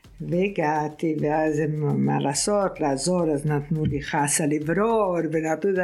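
A woman with a Portuguese accent and a very deep, low pitch speaks at a very slow pace with hardly any pauses, fairly even intonation and very even loudness. Music plays in the background, and audible room echo surrounds her. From Brazil, Rio de Janeiro. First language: Portuguese (speaking Hebrew). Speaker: interviewee telling her life story. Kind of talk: personal storytelling interview.

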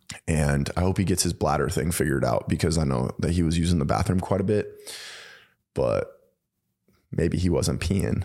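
At a moderate pace with long, frequent pauses, a man speaks in a very deep, low pitch with a dark, mellow tone, vocal fry, ordinary pitch variation and very even loudness. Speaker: podcast host. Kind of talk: casual solo monologue.

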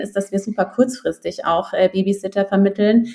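A woman's somewhat breathy, medium-pitched voice, monotone and flat in intonation, at a moderate pace. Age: 30s. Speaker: startup founder from HR. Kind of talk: interview.

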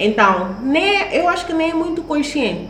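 A woman talks with very wide pitch swings. There is audible room echo and noticeable background noise. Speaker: podcast co-host. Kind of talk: casual chat. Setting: recording on a year-end trip.

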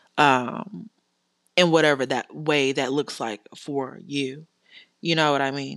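A woman's very deep, low voice with vocal fry, ordinary pitch variation and a very slow pace, recorded dry and close with no echo in a very clean, silent setting. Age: 20s. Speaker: podcast host. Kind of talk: casual monologue.

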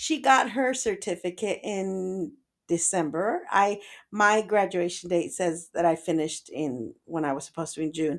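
With an unremarkable speaking voice, a woman talks at a moderate pace and medium pitch using lively intonation. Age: 40s. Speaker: life coach and podcast host. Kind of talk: casual monologue.

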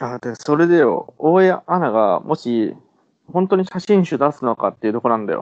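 At a moderate pace, a man speaks in a fairly high voice with very wide pitch swings. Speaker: podcast co-host. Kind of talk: casual chat. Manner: halting.

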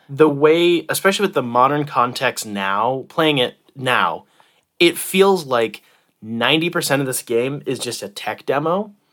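Over a very clean recording with a silent background, a man with a plain, everyday voice speaks fairly slowly at a fairly high pitch. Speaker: podcast co-host. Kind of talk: casual chat. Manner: joking.

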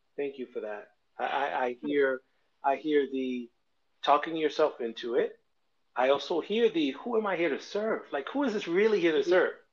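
The man has an unremarkable speaking voice, fairly high in pitch, with lively intonation at a moderate speed. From Brooklyn, New York; Haitian parents. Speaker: podcast host. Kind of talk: interview.

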